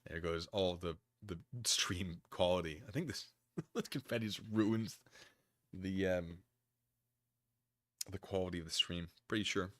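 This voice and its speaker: An American man hosting a casual livestream, rambling through commentary and chat comments in an animated, digressive way and often losing his thread. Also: low-pitched, unhurried, pauses often, dry recording. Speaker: livestream host.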